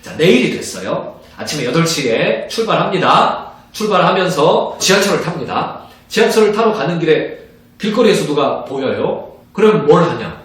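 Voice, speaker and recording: A man, a pastor, giving an evangelism training lecture in an animated way, acting out little conversations as he teaches. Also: a little high, normal speed. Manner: animated, acts out little dialogues in different voices. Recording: very echoey room, distant mic.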